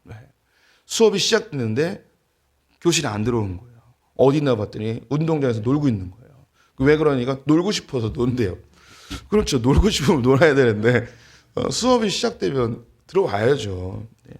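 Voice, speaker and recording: Middle-aged pastor preaching with humor. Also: male voice, mid-range voice, big pitch swings, a little fast, darkish tone, husky. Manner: storytelling with light humor. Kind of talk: sermon. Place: church sanctuary.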